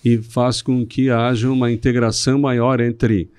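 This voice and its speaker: A middle-aged man from southern Brazil, a city councilman guest on a podcast, speaking in a measured, speechifying way with some restarts. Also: mid-range voice, flat delivery, a little mellow, clean tone, no echo. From Rio Grande do Sul, Brazil. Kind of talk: podcast interview.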